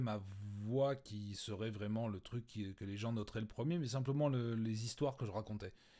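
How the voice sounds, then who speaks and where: Speaking at a moderate pace, a man has a dark, mellow tone with ordinary pitch variation. The recording is very clean, with a silent background. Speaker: audiobook narrator and streamer. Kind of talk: live stream chat with viewers. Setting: live stream at home. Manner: hesitant, many fillers.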